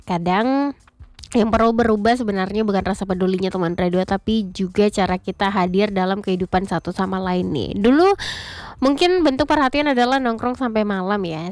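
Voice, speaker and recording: A woman presents a night-time radio show in a medium-pitched voice. She talks reflectively and conversationally, addressing the listener as she goes. The sound is close and dry, as in a studio. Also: no room sound. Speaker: radio host.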